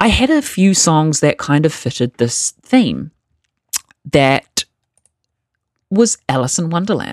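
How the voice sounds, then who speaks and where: Very slowly and with long, frequent pauses, a woman with a New Zealand accent speaks at a fairly low pitch, her voice swinging very widely in pitch, in a dry, close sound with no echo. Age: 20s. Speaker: podcast host, musician and drag performer. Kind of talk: casual solo podcast monologue.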